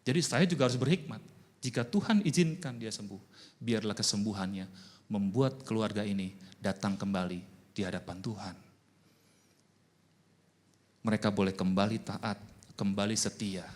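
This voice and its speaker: A man's voice: on the low side, moderate pace, long pauses. Man preaching a sermon. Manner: animated storytelling, voices both sides of conversations. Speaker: pastor. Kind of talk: sermon with acted-out dialogue.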